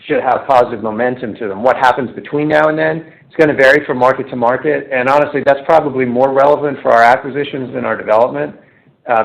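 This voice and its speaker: A man's voice: medium pitch, vocal fry. Man explaining business in slightly dull audio. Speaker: company executive answering analysts. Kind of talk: unscripted corporate earnings-call answers.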